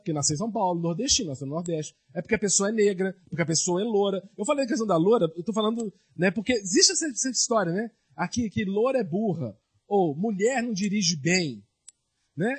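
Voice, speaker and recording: A man's voice: high-pitched, very animated, fairly quick, husky. A man preaching a sermon as a pastor, asking his congregation rhetorical questions.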